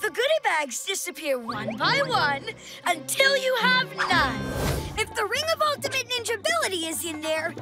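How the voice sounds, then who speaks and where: A smug little ninja villain boy, from a kids' cartoon. He gloats theatrically in a very high, wildly animated voice, drawing out his taunts. Loud music plays behind him. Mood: gleeful taunting. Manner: gloating, theatrical, drawn-out delivery. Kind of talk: animated children's cartoon acting.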